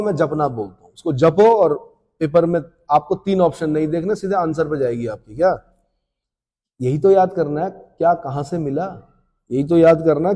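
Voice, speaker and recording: A man teaching an exam coaching class, firing off quiz questions and answering them himself, brisk and scolding. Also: a little high, gravelly, mellow, big-room sound. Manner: drills students with questions and answers. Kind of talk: rapid-fire exam coaching lecture.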